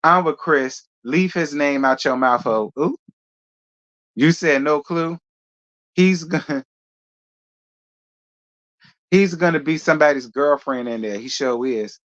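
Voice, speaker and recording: A man's voice: fairly high pitch, takes it slowly, pauses often, a bit bright. A man hosting casual gossip commentary in a sassy, chatty way with laughing asides. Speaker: host. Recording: dull lo-fi.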